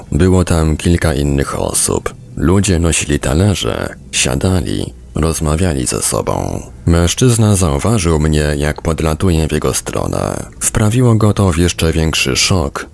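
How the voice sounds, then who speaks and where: A man reading book excerpts as scripted narration, in a gravelly voice with a measured storytelling delivery. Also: extremely low pitch, darkish tone.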